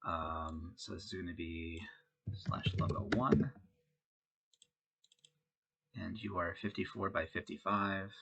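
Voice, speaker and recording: A man with a congested voice from a head cold, talking through a web coding tutorial in a relaxed way with many fillers. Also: low voice, slow pace, creaky, long pauses. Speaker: web design instructor. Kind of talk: screen-recorded coding tutorial.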